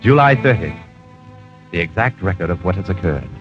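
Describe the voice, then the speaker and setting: An actor playing a cold, precise male killer narrating his diary in a 1940s radio drama, calm, clipped and detached. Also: deep voice, normal speed. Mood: cold, clinical. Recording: dull old radio broadcast with music.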